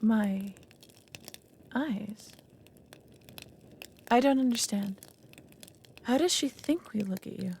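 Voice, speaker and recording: For an ASMR roleplay audio drama, a woman voices an anxious, lonely, possessive female dragon who is awkwardly smitten, sounding flustered and coy. Her fairly high, darkish voice carries a slight hiss or hum, and she speaks haltingly and earnestly in formal wording. She often slips into breathy half-whispers.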